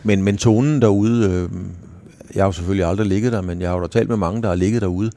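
A man's voice: lowish voice, fairly even intonation, warm tone. A man interviewing a cyclist, asking probing follow-up questions in a casual tone. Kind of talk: sports interview.

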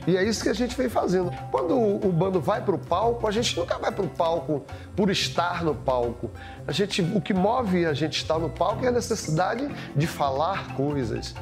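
A man's voice: high-pitched, expressive, moderate pace. Passionate man, faint music behind. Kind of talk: documentary interview. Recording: documentary clip with faint music.

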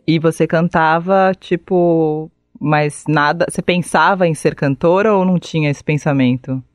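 A woman hosts a music interview and chats easily with her guest. Her voice sits a little low. It is recorded close and dry, with no room sound. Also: moderate pace, no echo. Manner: chatty, asks short questions and tells anecdotes. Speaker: interviewer and host. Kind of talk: radio interview.

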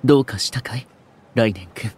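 A man playing a composed, courteous and earnest gentleman in a voice drama, with measured, slightly formal speech. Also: mid-range voice, breathy edge. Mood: calm, earnest. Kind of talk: Japanese voice drama acting.

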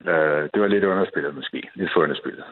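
A man calling in to a radio show, hesitant and self-deprecating, with many fillers. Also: rumbling low. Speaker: caller. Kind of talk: call-in radio chat. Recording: tinny phone line.

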